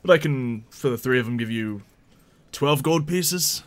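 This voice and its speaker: Man acting as male blacksmith trader, shrewd, polite, measured haggling, tabletop fantasy game. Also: medium pitch, lightly acted. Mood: measured, bargaining. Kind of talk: tabletop roleplay improvisation.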